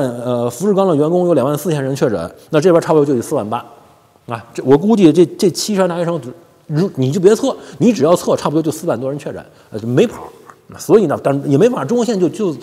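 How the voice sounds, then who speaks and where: A man's voice: on the high side, slightly rough. A man hosting a casual commentary monologue, joking, laughing often and stumbling over repeated words, on a lapel mic. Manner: animated and joking, frequent laughter and stammered repeats. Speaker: commentary channel host. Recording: long hall reverb.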